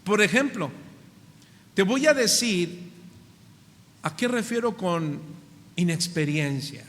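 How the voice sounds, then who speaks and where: Un pastor mexicano que predica un sermón con acento mexicano, lanzando preguntas a la congregación y alargando las palabras clave. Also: male voice, sits high, lively intonation, a bit bright. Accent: Mexican Spanish. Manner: preaching with questions to the congregation, slowing on key words. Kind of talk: sermon. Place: church hall. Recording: church hall reverb.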